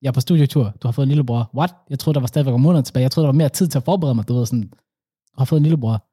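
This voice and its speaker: Young guy chatting casually, tells stories all animated, kinda warm mellow voice. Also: mid-range voice, breathy edge, dry recording, studio quality. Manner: animated storytelling with slang. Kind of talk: casual chat.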